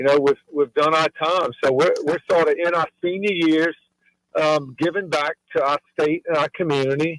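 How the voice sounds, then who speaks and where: An unremarkable speaking voice from a man, fairly high in pitch with fairly even intonation, at a moderate pace, in a dry, close sound with no echo. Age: 60s. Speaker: gubernatorial candidate. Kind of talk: interview.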